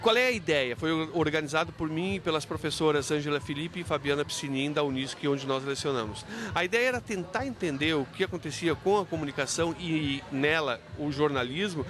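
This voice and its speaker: A university professor, interviewed spontaneously about his book, explains things didactically, posing rhetorical questions and often checking himself. His voice is fairly high and brisk, with hardly any pauses, and crowd noise is audible behind him.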